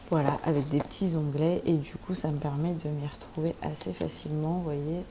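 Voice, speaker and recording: A woman's very deep, low pitch against noticeable background noise. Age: 20s. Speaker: budgeting vlogger. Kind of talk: casual tutorial vlog. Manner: hesitant, many fillers.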